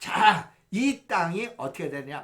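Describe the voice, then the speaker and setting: Animated male voice with very wide pitch swings. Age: 70s. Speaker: retired professor teaching land investment. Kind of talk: lecture. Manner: animated, rhetorical questions.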